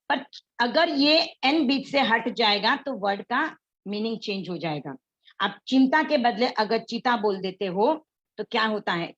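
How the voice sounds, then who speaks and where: A woman with a fairly high voice teaches an online class, explaining each point step by step. She mixes English words freely into her Hindi. The sound is dull and lo-fi, like audio streamed over a video call.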